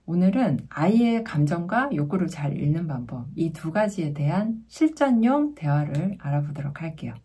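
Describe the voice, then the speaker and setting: Slightly husky woman giving a parenting lesson. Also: low-pitched, sing-song, moderate pace, hardly any pauses, dark tone. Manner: explains with rhetorical questions, then answers them herself; acts out sample lines a parent might say to a child. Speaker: doula and parenting educator.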